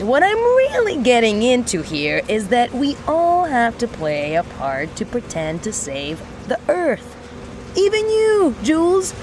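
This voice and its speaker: A woman playing an excitable young mechanic in an audio drama, theatrical, playful and prone to halting, rambling speeches. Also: fairly high pitch, noisy background. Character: excitable young tinkerer mechanic fond of explosions, scheming and playful. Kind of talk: audio drama monologue addressed to aliens.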